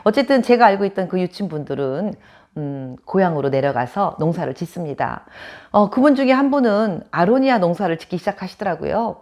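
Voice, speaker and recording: A woman's voice: on the low side, lively intonation, brisk, darkish tone. Korean woman from chungcheong, chatty host talking to camera, laughs a lot. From Chungcheong, South Korea. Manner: chatty storyteller, laughs often. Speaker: channel host. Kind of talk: casual talk to camera.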